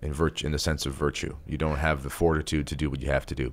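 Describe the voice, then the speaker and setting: With a Canadian accent, a man speaks at a very deep, low pitch with vocal fry. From Canada. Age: 30s. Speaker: journalist and author. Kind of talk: interview.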